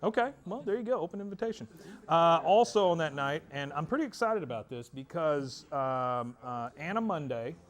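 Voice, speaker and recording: A man's voice: fairly high pitch, animated, normal speed. A man hosting a casual chat about upcoming events, joking and teasing as he goes. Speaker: host.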